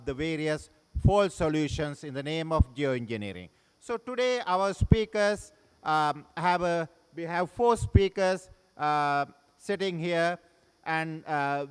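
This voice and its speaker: A middle-aged man from Sri Lanka, moderating a panel and giving opening remarks in a halting way that repeats and restarts phrases. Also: on the high side, smooth. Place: large conference hall. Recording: long reverb of a conference hall.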